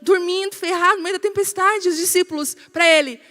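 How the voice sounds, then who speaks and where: A woman pastor with a Brazilian Portuguese accent delivers a lively sermon in a high voice. She tells stories and keeps questioning her congregation. A long reverb trails her words in a church hall. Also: a little fast, faint music behind. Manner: animated storytelling, addresses the congregation directly.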